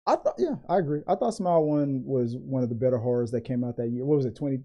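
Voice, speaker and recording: Man, podcast co-host, casual chat, mellow voice, rambling, frequent restarts. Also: mid-range voice, fast, lo-fi sound. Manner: rambling, restarts often, laughs easily.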